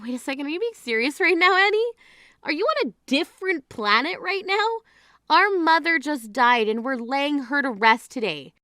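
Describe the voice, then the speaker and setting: A woman voicing an indignant young sister in mourning, scolding with a high, bright, forceful voice. The sound is dry and close, with no room around it. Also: expressive, measured pace, few pauses, clear, resonant tone, dry recording, full character voice. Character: exasperated grieving sister at funeral. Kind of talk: scripted drama dialogue.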